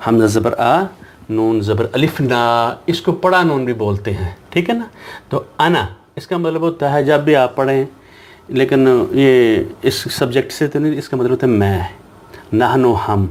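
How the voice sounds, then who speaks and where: A man teaching Quran reading to children, slowly spelling out each letter and syllable and patiently repeating them. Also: mid-range voice, darkish tone. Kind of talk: slow spelling-out lesson.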